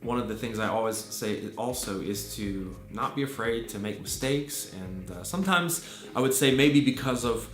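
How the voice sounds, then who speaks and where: A man's voice: mid-range voice, fairly bright tone. Earnest American man, echoey room. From Virginia, USA. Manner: earnest, thoughtful, with frequent fillers and restarts. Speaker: English teacher. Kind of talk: unscripted interview answers. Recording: echoey room with faint music.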